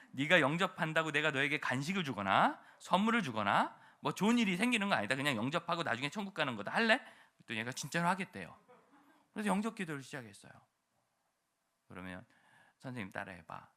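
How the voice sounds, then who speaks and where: A man's voice: lowish voice, gravelly. A male pastor preaching a sermon in a church, telling a story and acting out the voices of the people in it. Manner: animated storytelling, acts out quoted voices.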